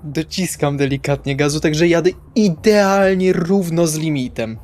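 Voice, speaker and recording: A man's voice: a little high, a little slow, darkish tone, soft background music. A man describing his character's actions as a player in a tabletop roleplay.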